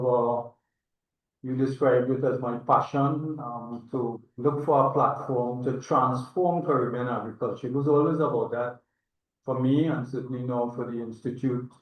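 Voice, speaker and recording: A distant, echoey and slightly dull recording of an older Trinidadian man presenting to an online meeting. His mid-range voice wanders reflectively through informal remarks, with a hesitant delivery. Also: mid-range voice. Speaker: agronomist and institute chairman, presenter.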